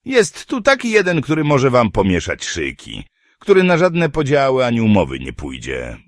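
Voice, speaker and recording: A man's voice: mid-range voice, wildly swooping pitch, moderate pace, no echo, studio quality, pitched above the performer's own voice. A man putting on a cool, grim male monster hunter. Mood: warning. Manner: cool, warning.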